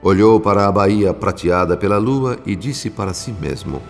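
A man's voice: on the low side, lively intonation, normal speed, creaky. A man with a Brazilian accent playing a solemn, reflective spirit narrator in a scripted radio drama. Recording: long reverb, music behind.

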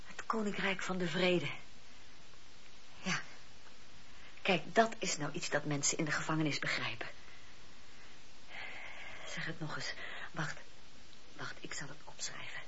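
A woman playing an earnest, compassionate and questioning devout lady in a Dutch radio play, with deliberate, emphatic phrasing. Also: deep voice, fairly bright tone, in a whisper. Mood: moved. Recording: dull old radio recording with hiss.

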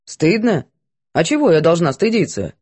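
A woman's voice: on the low side, very animated, normal speed, darkish tone, slightly rough, dry recording. A woman doing a coarse snapping cook. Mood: grumbling. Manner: rude, snapping, scolding.

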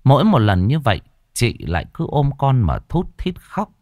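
A man's voice: mid-range voice, wildly swooping pitch, moderate pace, a little mellow, dry recording, clean studio sound. A man narrating a horror story in a dramatic, emotional way. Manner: dramatic, shifting emotional delivery.

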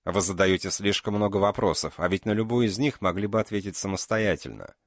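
Man doing a calm menacing killer, very deep voice, mocking, dry. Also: dry recording. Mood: cold. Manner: cold, unhurried, mocking. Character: calm, mocking male killer called the beast.

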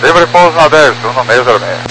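A man's voice: medium pitch, lively intonation, fairly quick, music in the background. A man speaking as an airline pilot over the aircraft radio, giving terse, clipped readbacks in aviation phraseology. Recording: noisy, distant air-band radio.

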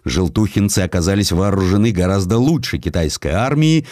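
A man with a very low voice narrates a historical audiobook in a dramatic, deliberate manner. His delivery is highly animated, with pitch that moves widely. The recording is dry and close, with no room sound. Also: no room sound.

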